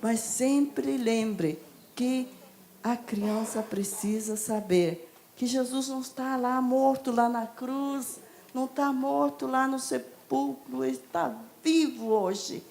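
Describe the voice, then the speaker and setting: A woman teaching a children's ministry training session in church, telling stories with lively acted-out voices and leading a group through repeated lines. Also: sits high, slow. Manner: lively, acts out stories, leads group repetition.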